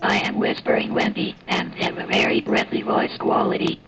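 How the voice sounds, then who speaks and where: A synthesized female voice that whispers with a very breathy quality, in a whispered role-play demo. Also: fairly low pitch, flat delivery, moderate pace, a bit bright. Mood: whispery. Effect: vintage speech synthesizer. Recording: dull noisy lo-fi playback.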